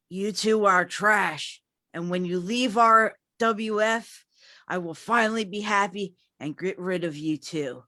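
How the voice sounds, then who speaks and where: A scornful champion pro wrestler, read by a woman in a staged promo. The tone is sharp and dismissive, full of bragging and taunts. The sound is very dry, with a bright, forceful voice. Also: on the low side, dry recording.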